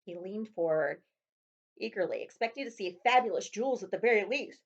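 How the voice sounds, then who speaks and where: A woman's voice: mid-range voice, expressive, brisk. Woman reading a storybook aloud, slightly muffled. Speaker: librarian reading a chapter book aloud. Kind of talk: storybook narration, read aloud.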